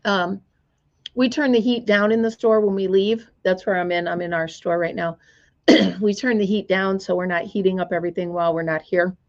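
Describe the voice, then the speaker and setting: A woman hosting a casual crafting livestream from her store, chatty and greeting viewers by name, her voice still hoarse as it recovers. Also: mid-range voice, steady tone, moderate pace, dull audio.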